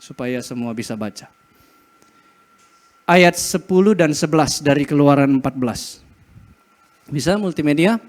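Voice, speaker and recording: A man's voice: a little high, lively intonation, measured pace, long pauses. A man preaching a sermon in church, asking the congregation questions, laughing often and acting out cries to God. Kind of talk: interactive sermon. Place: church hall.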